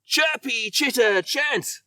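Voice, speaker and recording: Man putting on a loud, high-pitched feisty little robin. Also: no room sound, studio quality, exaggerated voice. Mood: boastful, defiant. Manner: loud chanting with drawn-out words. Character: feisty little male robin, boastful and territorial. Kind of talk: children's storybook character voice.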